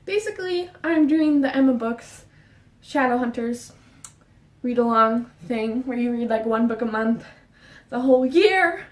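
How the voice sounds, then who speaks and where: A young woman with a high voice chats about books in a rushed, rambling way, audibly out of breath. She sounds set back from the mic in an echoey bedroom. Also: animated, far from the mic. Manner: fast, rambling, with fillers and restarts. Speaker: book vlogger. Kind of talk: casual book chat. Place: her bedroom.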